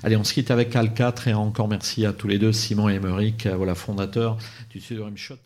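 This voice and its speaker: A man's voice: on the low side, flat delivery, fast talker, a little mellow. A man hosts a local radio slot in a loose, chatty way. He wanders through his announcements with frequent hesitations and restarts. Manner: hesitant, many fillers and restarts. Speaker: radio host. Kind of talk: casual radio chat.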